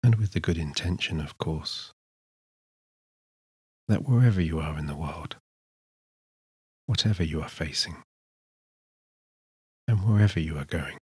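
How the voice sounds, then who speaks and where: A man narrating a scripted sleep hypnosis session in a soothing, measured manner with unhurried pauses. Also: a bass voice, breathy edge, no echo, studio quality. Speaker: hypnotist, guided meditation narrator.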